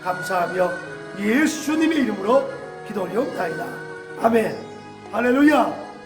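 A man, a pastor, giving a church announcement and prayer over a PA system in a preachy way with frequent drawn-out "ah" fillers. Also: sits high, animated. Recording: echoey church hall with music.

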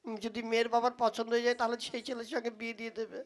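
A woman's voice: a little high, monotone, rapid-fire, close to an everyday voice. A woman playing a worried, lovesick young man who pleads plaintively in a comic puppet play. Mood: worried, pleading.

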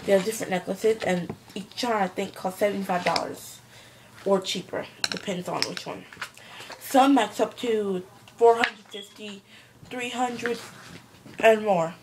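A woman's voice: mid-range voice, steady tone, measured pace. A young woman rambling casually with many fillers, showing jewelry in a home vlog from her bedroom. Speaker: vlogger. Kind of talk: casual show-and-tell vlog. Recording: home video with background noise.

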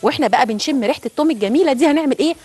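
A woman's voice: sits high, rapid-fire, a little mellow. A woman with an Egyptian accent hosting a cooking show, chatting directly to viewers as she cooks. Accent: Egyptian Arabic. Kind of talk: cooking demonstration.

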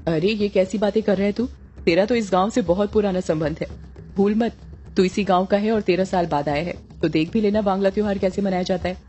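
A woman's voice: medium pitch, brisk, dark tone, faint music behind, lightly acted. A woman voicing a young village man who firmly lectures his friend. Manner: explaining, firm.

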